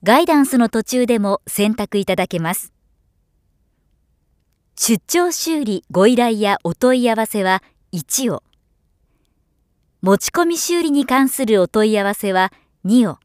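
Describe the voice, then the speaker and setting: A middle-aged woman voiceover professional reading scripted narration with polished, clearly articulated delivery. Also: a little high, expressive, unhurried, long pauses, darkish tone, no echo. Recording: dry studio voice recording.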